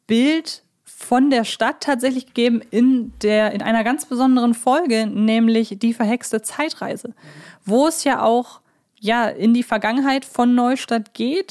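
Higher-pitched woman in casual podcast chat. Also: a little mellow. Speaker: podcast co-host. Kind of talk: casual fan podcast discussion.

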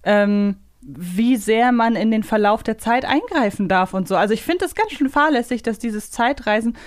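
With a fairly high, lively voice at normal speed, a podcast host enthusiastically bounces through casual fan chat and quiz banter, thinking aloud in long, winding sentences. The studio-quality recording has no echo.

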